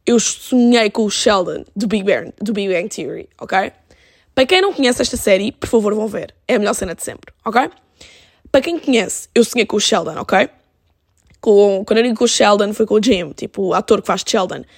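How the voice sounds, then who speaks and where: A young woman with a European Portuguese accent hosting a casual solo podcast, animated and dropping in English phrases. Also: mid-range voice, brisk, gravelly, slightly rough, no room sound, studio quality. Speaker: podcast host.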